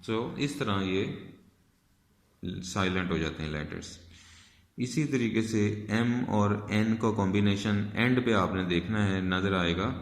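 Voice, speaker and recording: A man's voice: lowish voice, unhurried. A man teaching an English spelling lesson, patiently explaining step by step and spelling words out letter by letter. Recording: echoey room with long reverb.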